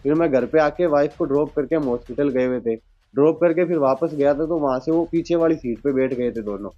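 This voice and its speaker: A young man from Rajasthan, a driver telling a reporter what happened, in a plain and halting way. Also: a little high, faint music behind. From Rajasthan, India. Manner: plain, halting retelling with quoted dialogue. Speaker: taxi driver and witness. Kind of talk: news interview account. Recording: dull lo-fi sound.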